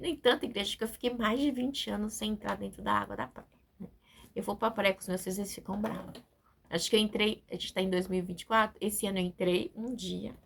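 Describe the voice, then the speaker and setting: A woman's voice: medium pitch, vocal fry, fairly bright tone, slight background noise. A middle-aged woman preaching a testimony sermon to her congregation, earnest and often tagging her sentences with a questioning aside. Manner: earnest, fills pauses with frequent tag questions.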